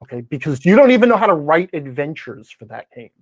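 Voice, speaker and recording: A man with a slightly high voice talks as a podcast guest, laying out firm opinions in a conversational way. He is blunt and emphatic, and the sound is close and dry. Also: big pitch swings, fast talker, dry recording. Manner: emphatic, blunt, acts out imagined remarks. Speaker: podcast guest, game blogger and game master.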